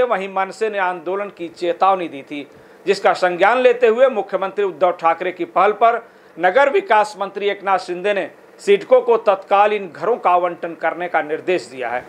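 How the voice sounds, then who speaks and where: A man in his forties reading the news as a studio anchor, formal and measured. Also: high-pitched.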